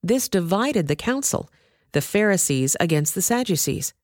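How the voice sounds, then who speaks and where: A woman narrating a scripture reading in a measured, expressive way. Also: fairly low pitch, no room sound, clean studio sound. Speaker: reader.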